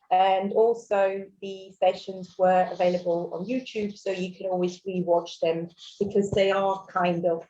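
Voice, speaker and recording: On a video call, a German-speaking Swiss woman presents a mortgage webinar, sounding friendly and dropping fillers and light laughs. Her medium-pitched voice is a touch mellow, though the audio is dull.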